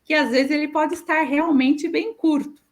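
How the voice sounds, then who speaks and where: A woman's voice: high-pitched, steady tone, normal speed. A middle-aged Brazilian woman, a speech therapist, explaining patiently in an interview and giving examples.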